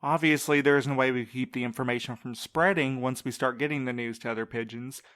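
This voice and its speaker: A man playing a wry, sardonic courier, medium pitch. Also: fairly even intonation, fairly quick, fairly bright tone, close to an everyday voice. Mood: earnest. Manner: dry, wordy, sarcastic. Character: wry, sardonic young male mail courier. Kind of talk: audio drama acting.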